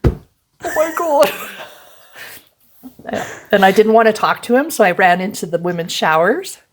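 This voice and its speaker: A middle-aged mother shares a family story in relaxed conversation. Her pitch swings widely as she acts out the voices of the people in it. Her voice sits in an ordinary middle register. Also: normal speed. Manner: animated, acts out quoted dialogue with big pitch jumps and laughs. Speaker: guest, mother of the host. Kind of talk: casual storytelling chat.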